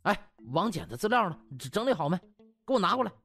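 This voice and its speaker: A man's voice: sits high, very animated, fast, gravelly, a bit bright, soft background music, voice pushed up, heavily acted. A man voicing a cheeky, shameless young hospital slacker with a slangy, smirking, ingratiating manner in an audiobook. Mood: brisk. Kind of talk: audiobook character acting.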